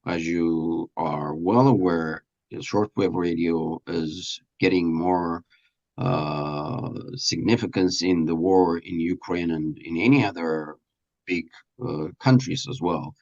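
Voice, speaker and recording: Deep, gravelly man speaking haltingly. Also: steady tone, a little mellow, dull audio. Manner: halting, searching for words, many pauses. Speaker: radio station presenter and producer being interviewed. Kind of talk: interview answers, explanatory talk.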